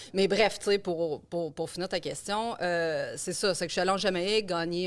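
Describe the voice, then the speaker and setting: A woman with a medium pitch talks at a moderate pace and with fairly even intonation, while noticeable background noise carries on. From Quebec, Rimouski. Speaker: rapper and dancer. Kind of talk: casual interview. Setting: live-streamed podcast studio.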